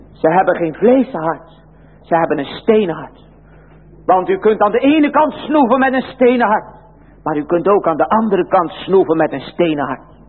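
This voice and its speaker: A man's voice: high voice, husky. A man preaching a sermon in an emphatic style, using old biblical phrasing. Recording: tinny lo-fi phone-like recording.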